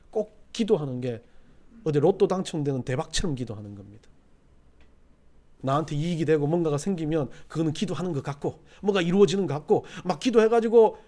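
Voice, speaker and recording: A middle-aged man preaching a sermon as pastor, telling folksy stories and swinging from quiet asides to loud exhortation. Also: sits high. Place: church sanctuary.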